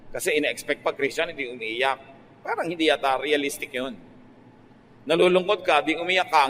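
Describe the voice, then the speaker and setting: A man with a Filipino accent preaching a lively, humorous sermon that swings from loud outbursts to hushed, slow lines. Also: on the high side, a little hiss or hum. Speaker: pastor. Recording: reverberant hall with faint music.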